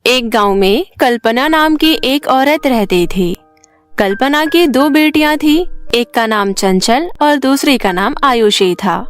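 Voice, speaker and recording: High-voiced woman narrating a children's story.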